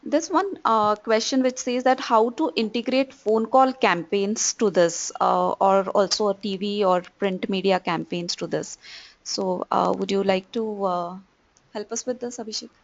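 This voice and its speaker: A woman hosting a webinar question session, speaking haltingly with pauses mid-sentence. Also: mid-range voice, dry recording, dull audio. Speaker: webinar host. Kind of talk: moderating an audience question session.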